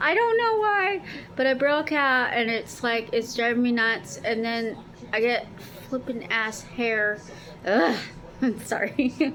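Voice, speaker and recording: Noticeable background noise sits behind a woman with a high pitch. She talks at a very slow pace with long, frequent pauses. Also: ordinary pitch variation. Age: 30s. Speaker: vlogger. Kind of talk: casual vlog talk. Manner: rambling, animated.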